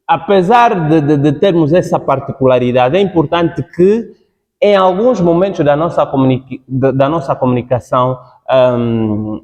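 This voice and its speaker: Brief: male speaking coach, slightly high voice, repeats key points, long hall reverb. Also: darkish tone. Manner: repeats points for emphasis, checks in with "ok?". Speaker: public speaking coach giving feedback. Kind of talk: spoken critique in a class.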